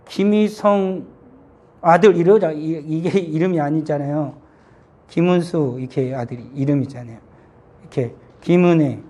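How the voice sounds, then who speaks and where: A man's voice: a little high, dark tone. A middle-aged man pastor giving a children's sermon, telling a Bible story and asking the children questions.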